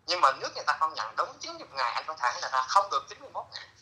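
A middle-aged man tells a story in a casual, lively way, his voice very bright and a little high. He drops into broken English phrases as he talks. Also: rapid-fire, low-quality recording. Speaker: interviewee.

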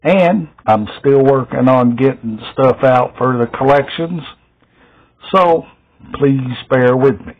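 Middle-aged male vlogger, casual show-and-tell, very drawn-out halting delivery, muffled low-fidelity recording. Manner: halting, short phrases with long gaps. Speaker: video host showing a music collection. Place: small indoor room at home.

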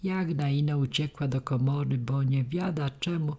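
A woman reading a classic novel aloud as an audiobook, in a measured storytelling manner. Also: deep voice, warm tone, husky. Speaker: audiobook reader.

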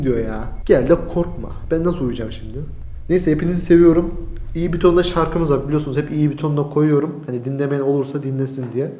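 A man talks low and nervously into his computer mic late at night, cursing now and then. His voice is mellow and dark in tone. The sound is muffled and lo-fi, bouncing around an echoey room with a faint hiss underneath. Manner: hushed, jittery, swears often. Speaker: vlogger. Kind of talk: casual late-night horror vlog.

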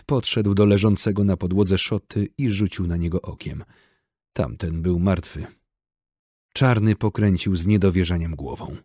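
A man reading an audiobook in steady, measured scripted narration. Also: low-pitched, dry recording, clean studio sound.

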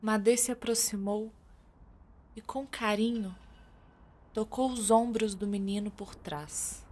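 A woman's voice: medium pitch, slow pace, a little mellow. A Brazilian woman narrating a scripted radio drama as a theatrical storyteller. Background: music with guitar.

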